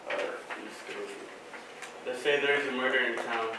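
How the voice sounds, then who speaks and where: A man's voice: mid-range voice, fairly even intonation, normal speed. Man asking questions in an echoey lecture hall. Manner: hesitant, filler-heavy questions. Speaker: student questioning mock jurors. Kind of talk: classroom role-play questioning. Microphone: far camera. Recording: echoey hall from far off, noisy.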